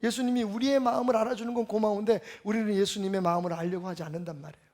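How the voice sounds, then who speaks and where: High-voiced man preaching a sermon. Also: fairly even intonation, very fast. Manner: emphatic, with rhetorical questions, swinging between loud and soft. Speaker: pastor. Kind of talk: Sunday sermon.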